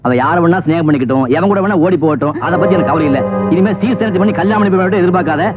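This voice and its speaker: A quick-tongued, sarcastic village landowner buried in debt, played by a man who rattles off his lines at great speed in a fairly high voice. The sound is thin and phone-like, as on an old film soundtrack, with music faintly underneath. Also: close to an everyday voice. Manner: quick, wry and sarcastic, flaring into anger. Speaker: eldest brother, indebted landowner. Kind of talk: 1980s film acting.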